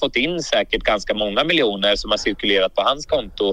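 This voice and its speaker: A man talks at a very fast pace. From Norrköping, Sweden. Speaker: sports bettor. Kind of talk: interview.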